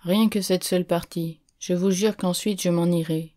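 A woman voicing a desperate young male gambler who pleads and shouts in an urgent, raised voice. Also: on the low side, steady tone, normal speed, natural voice. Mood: pleading.

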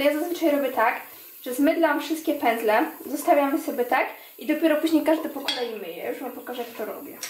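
The voice sits high in an echoey room with a little hiss or hum. It belongs to a young beauty vlogger who casually chats to viewers, whom she calls "girls," while cleaning her home bathroom and washing makeup brushes for a clean-with-me vlog.

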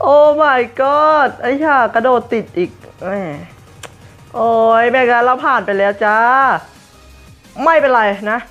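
A man giving excitable gameplay commentary as host of a gaming channel, breaking into yelps and English curses as he plays. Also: extremely high pitch, slow pace. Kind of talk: excitable Minecraft parkour commentary. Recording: muffled lo-fi recording with faint background music.

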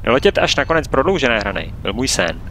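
A man calmly narrating his own flight video in a steady, matter-of-fact voice-over. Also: mid-range voice, slight background noise. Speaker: paraglider pilot and vlogger.

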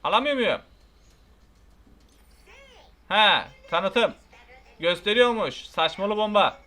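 A man giving casual let's play commentary, excitable and swearing casually as he yells at the game and reads on-screen text aloud. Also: sits high, slow pace. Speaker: gamer.

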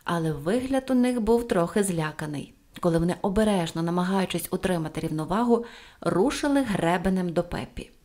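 Female audiobook narrator, expressive, lively storybook reading. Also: lowish voice, a little fast. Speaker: audiobook reader.

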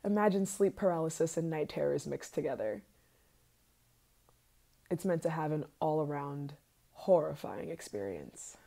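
A woman voicing an obsessive yandere scientist in an ASMR role-play, sweet and sinister, soft-spoken with hesitant pauses. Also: deep voice, expressive, creaky, exaggerated voice. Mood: smug, sinister.

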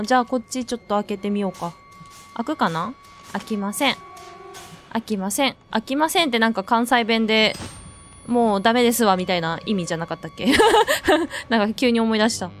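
A woman's voice: a little high, expressive, a little fast, slight background noise. A woman playing a horror game and commenting as she goes, jittery and jokey, who bursts into frightened shrieks. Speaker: let's play gamer. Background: faint game music.

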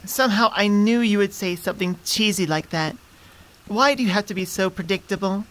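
A woman's voice: mid-range voice, brisk, a bit bright, close to an everyday voice, rough recording. A woman voicing an affectionate, teasing, easily flustered young centaur girlfriend in an intimate ASMR roleplay, sweet and conversational, close on the mic. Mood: fond, teasing. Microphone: close studio microphone.

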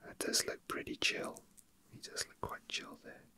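A young man whispering softly and breathily in an unhurried, halting ASMR murmur, as if casually commenting while his hands are busy. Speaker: ASMR video host. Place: indoors at a tabletop.

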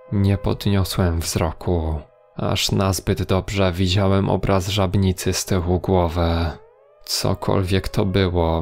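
A man reading a horror story in a measured, grave storytelling manner. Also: deep voice, gravelly. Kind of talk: scripted horror narration. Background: faint music.

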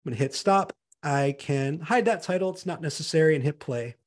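A man giving an upbeat, step-by-step live software demo over a video call. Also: a little high, brisk. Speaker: education team presenter. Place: home room on video call.

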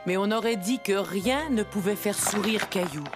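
A woman narrating a scripted children's story in an expressive, clearly phrased storyteller's manner. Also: medium pitch, moderate pace. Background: music.

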